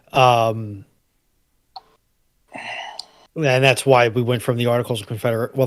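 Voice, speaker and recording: A man with a medium-pitched voice speaks as a discussion panelist. He explains things conversationally but carefully. His delivery is measured, with pauses as he qualifies his statements. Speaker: panelist on a live history discussion.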